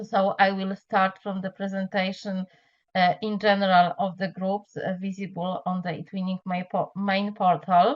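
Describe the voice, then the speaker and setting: A woman at medium pitch speaks at a moderate pace in a somewhat breathy voice with monotone, flat intonation. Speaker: teacher and group moderator. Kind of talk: webinar presentation. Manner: formal.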